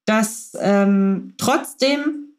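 Her words stretch out in a mid-range voice as she co-hosts a podcast through an illness she's recovering from. The conversation is relaxed, talkative and thoughtful.

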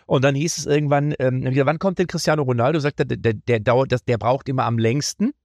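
A middle-aged man telling lively anecdotes in a casual podcast chat, often slipping into mock Italian voices. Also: medium pitch, fairly quick, dry recording. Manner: animated storyteller, slips into mock Italian voices. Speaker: comedian guest.

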